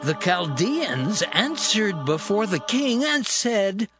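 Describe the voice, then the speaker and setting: Slow, dramatic male scripture narrator. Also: sits high, big pitch swings, music in the background. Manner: measured, dramatic.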